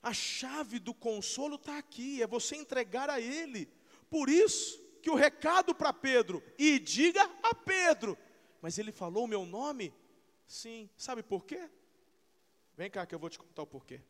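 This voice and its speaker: A man preaching a sermon, emphatic and repetitive, swinging between loud, fervent peaks and slow, hushed passages. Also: extremely high pitch, expressive. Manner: emphatic, repeats phrases, frequent hallelujahs. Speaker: pastor. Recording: long hall reverb.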